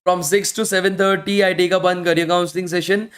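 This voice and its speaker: Talking fast in a high, slightly bright voice with little pitch variation, a man answers questions during a live online bootcamp he teaches. His chat is casual and repetitive, phrases often end in "guys," and daily talking is wearing his voice out.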